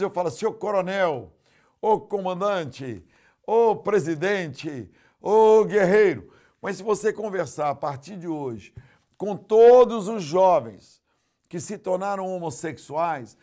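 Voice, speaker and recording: Older man from Brazil, pastor preaching, fairly high voice, dramatic storytelling, loud and hushed turns. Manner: storytelling with acted quotes, swinging from loud outbursts to hushed. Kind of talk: sermon.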